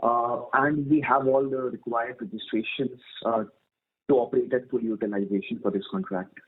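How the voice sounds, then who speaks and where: A man's voice: mid-range voice, fairly even intonation, normal speed. A man with an Indian accent, an investor politely and hesitantly putting questions on an earnings call. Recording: muffled narrowband phone line.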